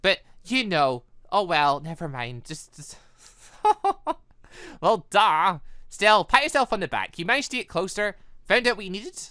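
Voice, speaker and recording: Animated, bright-voiced woman commentating on a game. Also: medium pitch, a little slow, dry recording, clean studio sound. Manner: animated, exclaiming reactions. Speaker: let's play host. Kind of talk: excitable video game commentary, reading dialogue aloud.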